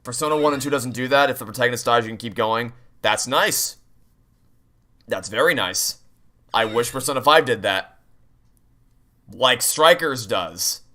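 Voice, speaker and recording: A man's voice: medium pitch, normal speed, long pauses, sharp tone. A young man giving casual, opinionated, rambling commentary as he plays through a video game. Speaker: video game playthrough streamer. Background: game music.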